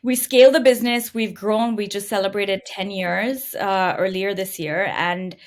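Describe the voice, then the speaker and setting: A woman's voice: mid-range voice, fairly even intonation, moderate pace. A middle-aged woman from India, speaking conversationally as an interview guest about her own experience. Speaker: podcast guest, entrepreneur. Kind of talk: conversational interview answers, telling own story.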